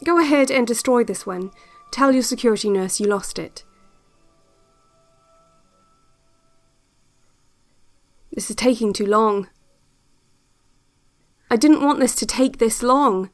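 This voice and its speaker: An actress playing a calm, yearning woman who narrates secret relaxation cassettes in a measured, intimate audio drama monologue. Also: fairly high pitch, faint music behind, close to an everyday voice. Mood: earnest, impatient. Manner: measured, deliberate, repetitive phrasing.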